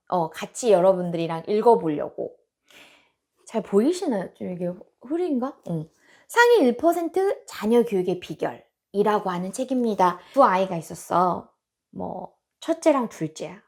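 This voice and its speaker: A woman hosting a self-improvement channel, talking casually and expressively to her viewers. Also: fairly high pitch. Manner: animated and expressive, with acted-out quotes.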